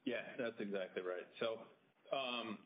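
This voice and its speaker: A man's voice: fairly low pitch, measured pace. A man speaking as a finance executive, giving business answers on a conference call. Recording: muffled audio with background noise.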